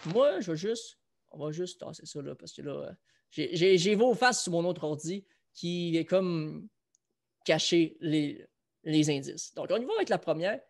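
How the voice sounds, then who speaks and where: A man's voice: a little high, lively intonation, a little slow, gravelly. A man with a Quebec French accent, hosting a casual sports chat show and running a trivia quiz. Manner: chatty, runs a trivia quiz. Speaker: host.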